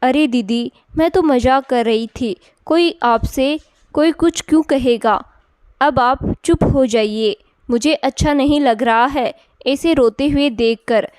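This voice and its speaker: Lively, persuasive young girl voiced by a woman, bright high tone, clean, slow storybook reading. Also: clear, resonant tone, no echo. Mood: coaxing. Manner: coaxing, persuasive. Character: spirited young unmarried cousin, encouraging.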